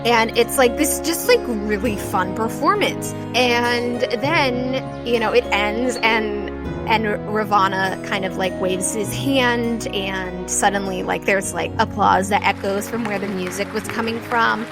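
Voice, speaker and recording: A woman game master improvising tabletop adventure narration in an animated, informal way. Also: medium pitch, unhurried, loud music behind the voice.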